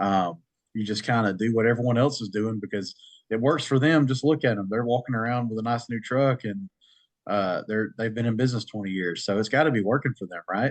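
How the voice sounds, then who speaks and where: The speaker has a Southern US accent and talks at a fairly quick pace. The pitch varies in an ordinary way. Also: man, medium pitch for a man. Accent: Southern US (Georgia). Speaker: electrical contractor. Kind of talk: interview. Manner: hesitant, filler-heavy.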